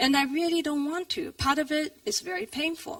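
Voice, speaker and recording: A woman with an extremely high pitch and a Chinese accent. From China. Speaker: author. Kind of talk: author talk to audience.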